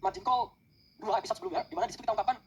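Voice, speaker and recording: Rapid-fire man explaining crypto calls. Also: high voice, breathy edge, rough recording. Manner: fast talk mixing English trading jargon. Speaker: crypto trading analyst. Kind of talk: casual podcast chat.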